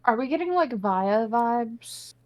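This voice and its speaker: A woman's voice: a little high, lively intonation, takes it slowly, dry recording. A woman playing a tabletop game, chatting casually and saying "like" a lot. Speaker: player.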